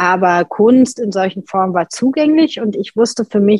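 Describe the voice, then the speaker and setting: Her voice has a medium pitch and lively intonation. The woman's sound is dry and close, with no echo. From Ruhr area, Germany (Wetter). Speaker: costume and stage designer. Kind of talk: interview conversation. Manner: halting, many fillers.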